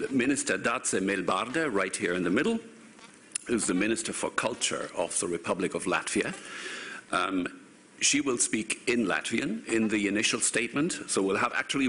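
A man introduces conference panelists from a table microphone. His voice is bright and slightly low, and he pauses often with fillers and restarts. A faint room hum sits under him. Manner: hesitant, many fillers and restarts. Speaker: panel moderator. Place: large conference hall, seated at panel table.

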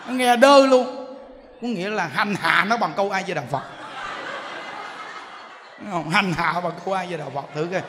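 A male monk giving a lively sermon, telling stories with laughter and mimicking voices. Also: sits high, normal speed, long pauses. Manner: animated storytelling, laughing, mimicking others. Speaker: monk giving a dharma talk. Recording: long hall reverb, faint background noise.

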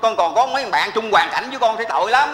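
An actor playing a penniless gambler son in a stage comedy sketch, whiny and stammering with wailing exclamations. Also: male voice, sits high, expressive, rapid-fire, pushed and bright. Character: penniless man, gambler, comic prodigal son. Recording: echoey stage with long reverb.

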